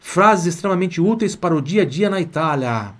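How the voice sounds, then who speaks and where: A man's voice: high-pitched, lively intonation. Upbeat Brazilian man teaching Italian. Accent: Brazilian Portuguese. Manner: chatty, upbeat, repeats phrases slowly for students. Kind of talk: live online language lesson.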